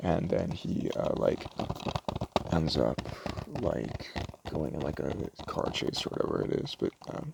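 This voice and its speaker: A soft-spoken man whispers in a relaxed tone. Background noise is noticeable. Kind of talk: ASMR roleplay, casual talk as a DVD store clerk. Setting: recorded with close microphone for ASMR. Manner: soft-spoken, whispering, relaxed, chatty.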